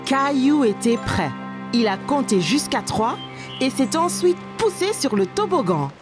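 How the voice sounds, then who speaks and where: A woman narrating a children's cartoon like a scripted storybook, with expressive, clear storytelling. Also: high voice, measured pace, music in the background.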